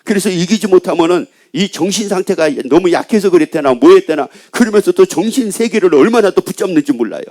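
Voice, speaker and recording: A man's voice: high-pitched, expressive, quick pace, few pauses, a little mellow. A male pastor preaching a Sunday sermon, asking the congregation questions and answering them himself.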